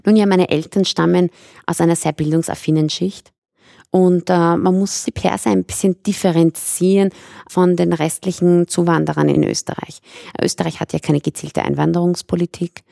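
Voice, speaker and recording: A woman's voice: on the low side, little pitch movement, normal speed, creaky, dark tone, dry recording, studio quality. A young woman from Iran, a guest in a conversational interview, explaining at length with restarts.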